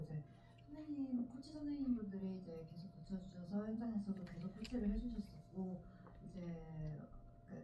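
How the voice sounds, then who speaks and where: Woman, actress, earnest and reflective, mid voice, echoey cinema, far off, hiss. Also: mid-range voice. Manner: earnest, reflective, with many fillers. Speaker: actress at a film Q&A. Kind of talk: panel Q&A answer. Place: cinema auditorium. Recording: distant echoey lo-fi audience recording with hiss.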